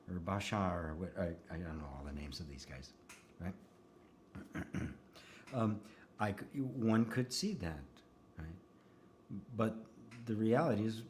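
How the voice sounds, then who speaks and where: A man's voice: sits low, a little mellow, a little hiss or hum. A man teaching spirituality in a loose, laughing way, checking in with "right?" and reading out viewer comments from a seated livestream. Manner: laughs often, many restarts and "right?" tags. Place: seated indoors.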